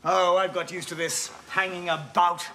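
Stubborn british prisoner guy, high bright voice. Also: level tone, normal speed, slight background noise. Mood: defiant. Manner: stoic, defiant. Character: defiant imprisoned young male nephew.

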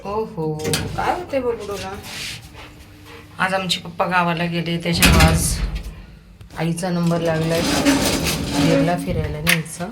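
A woman's voice: fairly low pitch, steady tone, unhurried, long pauses, heavy background noise. A woman filming her dog on a phone outdoors, chatting and coaxing it and the children around her. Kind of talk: casual vlog chat.

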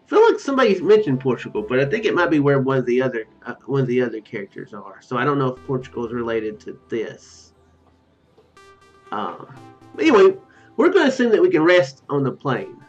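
A man's voice: mid-range voice, very animated, brisk. A man in his thirties reading game text aloud as a streamer, breaking off for musing, self-correcting commentary. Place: small room at home, indoors. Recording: dull lo-fi mic, music behind. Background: game music.

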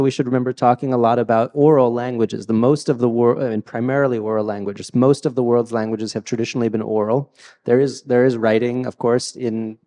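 A man's voice: medium pitch, warm tone, in a large hall. A man moderating a panel talk on stage, speaking thoughtfully into a handheld mic with many fillers and restarts. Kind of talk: hesitant conversational talk. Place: large hall with a stage.

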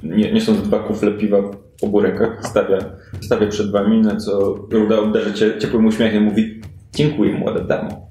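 A man's voice: on the low side, completely flat delivery, normal speed, few pauses, dark tone. A man improvising narration as the game master of a tabletop role-playing session. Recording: echoey room, faint music behind.

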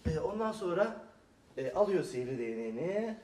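A man's voice: a little high, very animated, a little fast, a little mellow. A man co-hosting and narrating a children's tale, playfully and with acted voices. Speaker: storyteller and co-host. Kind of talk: children's storytelling chat. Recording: echoey room from a distant mic, faint noise.

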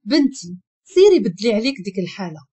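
Storybook mother, fussy and doting, scolds gently; a woman reads her. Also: mid-range voice, very animated, fast, breathy edge. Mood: coaxing. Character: fussy loving middle-aged mother.

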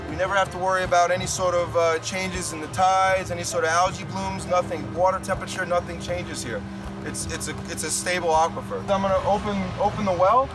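A man's voice: sits high, fairly even intonation, fairly quick. A man in his thirties giving a casual, matter-of-fact technical tour outdoors at a construction site, recorded from a distance. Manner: matter-of-fact, explaining with hand gestures. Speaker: site guide at a fish farm. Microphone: far camera mic. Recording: distant outdoor audio under music. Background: background music.

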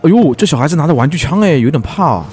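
A man commenting on his gameplay in a lively, excitable way. His pitch is a little high and moves up and down a lot. He teases the other players and exclaims often, and faint game music plays under his voice. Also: racing. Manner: excitable, teasing, frequent exclamations and laughs. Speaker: gaming YouTuber. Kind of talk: let's play commentary.

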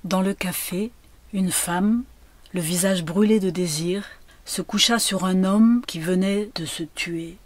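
A woman reading literary prose aloud, with slow, measured, hushed narration. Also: on the low side, no echo. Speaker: reader.

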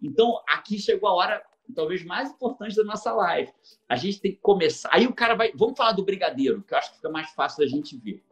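A man's voice: high-pitched, fast, highs cut off. A man with a Brazilian accent, a coach telling stories on a live stream, acting out dialogue and swearing casually. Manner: animated storyteller who acts out quoted dialogue and swears casually. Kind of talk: energetic live-stream talk.

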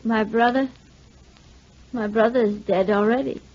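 Slow, creaky, deranged woman. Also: fairly high pitch, fairly even intonation, darkish tone. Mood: confused. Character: deranged, confused murderous spinster sister. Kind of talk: 1940s radio acting. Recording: dull muffled 1940s radio recording.

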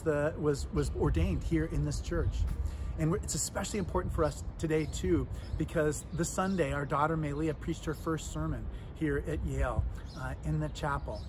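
A middle-aged man, dean of a cathedral, giving an earnest, conversational short sermon outdoors beside a stone chapel. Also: on the high side. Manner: warm, earnest, conversational with fillers. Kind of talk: reflective short video sermon. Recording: outdoor street noise behind.

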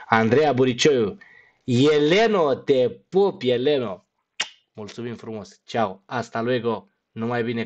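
A man streaming live, signing off with a long run of thanks to his viewers and some blunt, crude teasing. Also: fairly low pitch. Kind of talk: casual live-stream sign-off.

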